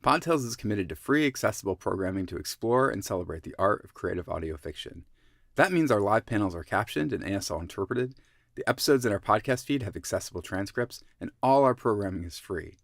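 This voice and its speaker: A man's voice: fairly low pitch, animated, brisk, vocal fry, no echo, studio quality. A man reading a scripted promotional announcement as a member of a podcast team.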